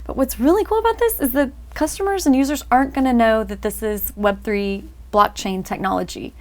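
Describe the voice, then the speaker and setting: A woman's voice: on the high side, brisk. A young adult woman co-hosting a podcast, reading news items in an upbeat way and chatting loosely between them. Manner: upbeat, reads news smoothly, then chats loosely. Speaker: co-host. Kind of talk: casual podcast chat with scripted news segments.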